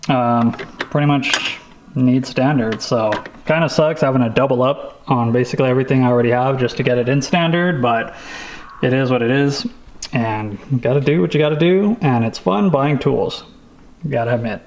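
A man casually showing off tools he bought, talking in a relaxed, rambling way with lots of fillers. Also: mid-range voice, normal speed, a little hiss or hum. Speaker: vlogger showing a tool haul. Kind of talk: casual show-and-tell chat.

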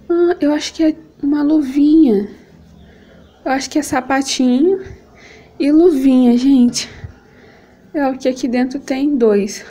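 A woman's voice: high-pitched, mellow. A young Brazilian woman with a Brazilian Portuguese accent, gushing affectionately as she unboxes gifts for a casual home vlog, filmed on a camera set on her table. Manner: gushing and affectionate, keeps calling out to viewers. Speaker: vlogger.

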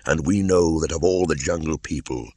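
A man voicing a calm male black panther in a storybook reading, speaking softly and deliberately. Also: no room sound. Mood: calm, grave. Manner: soft, low and deliberate. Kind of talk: audiobook character voice.

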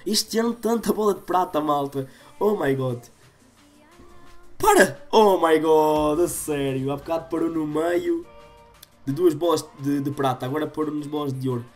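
Casting: young male gaming YouTuber, European Portuguese accent, slightly congested, highish voice, music underneath. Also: moderate pace, darkish tone. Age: 20s. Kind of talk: excitable gaming commentary to viewers. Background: game music.

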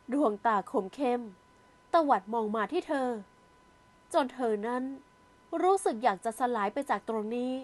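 High-voiced woman narrating a novel. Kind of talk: scripted narration.

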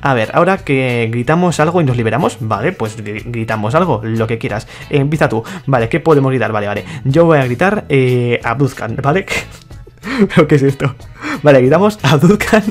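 A man's voice: medium pitch, lively intonation, brisk, hardly any pauses, faint music behind. A young man from giving casual, playful commentary over gameplay, laughing often and reading other players' chat aloud. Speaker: gaming YouTuber.

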